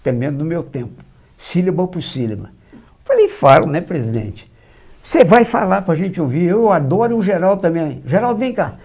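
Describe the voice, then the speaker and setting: Gravelly older man with a Minas Gerais accent. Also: high voice, normal speed. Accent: Minas Gerais Brazilian Portuguese. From São João del Rei, Minas Gerais, Brazil. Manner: lively raconteur, acts out quoted dialogue. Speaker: guest, journalist. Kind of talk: anecdotal storytelling.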